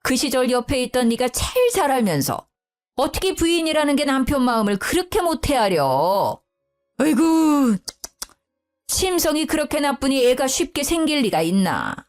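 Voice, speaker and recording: Storybook role: a woman playing a harsh, berating older mother-in-law, shrill and lively. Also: normal speed, faint music behind. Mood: scolding.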